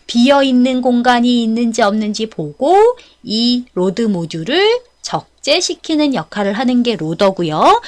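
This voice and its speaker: A woman instructor giving a step-by-step explanatory lecture, checking in with listeners through short questions. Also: fairly high pitch. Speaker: instructor of a certification exam course.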